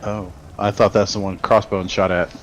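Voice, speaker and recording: A man chatting casually as a player in a tabletop game, blunt and quick to swear. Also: low-pitched, little pitch movement, highs cut off, slight background noise.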